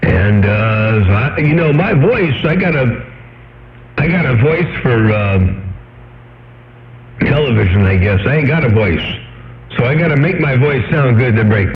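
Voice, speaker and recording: A man's voice: medium pitch, animated, unhurried, a little hiss or hum. A man chatting casually over CB radio, drawling in trucker-style lingo with handles and codes. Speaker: CB radio operator. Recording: echoey dull CB radio transmission.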